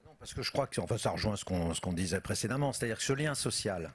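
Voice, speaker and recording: A man, a TV executive on a panel, speaking in a measured way with some fillers. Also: on the low side, expressive, slightly rough. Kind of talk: panel discussion. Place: auditorium stage.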